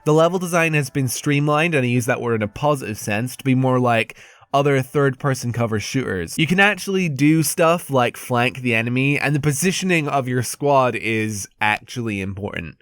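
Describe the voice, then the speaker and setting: A man's voice: medium pitch, normal speed, fairly bright tone, dry recording, clean studio sound. A man narrating a scripted video game review in a conversational, candid and wry manner.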